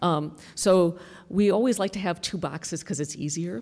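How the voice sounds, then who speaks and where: Her pitch fairly low and varying in an ordinary way, a woman talks in an unremarkable speaking voice. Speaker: academic expert. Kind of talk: panel discussion. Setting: stage with audience.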